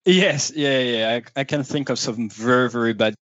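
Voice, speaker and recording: A man with a French accent, a navy pilot guest, speaking halting, repetitive English in a remote interview. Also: medium pitch, fairly bright tone, no room sound. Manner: repeats words, halting English. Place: remote call from home. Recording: dry, dull remote call line.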